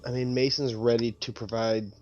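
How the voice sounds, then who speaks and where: A man plays a tabletop game, talking casually and working out his moves aloud. He sounds hesitant, with a mid-range pitch, on a somewhat muffled, lo-fi recording. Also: flat delivery, normal speed, darkish tone. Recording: slightly dull, lo-fi voice audio.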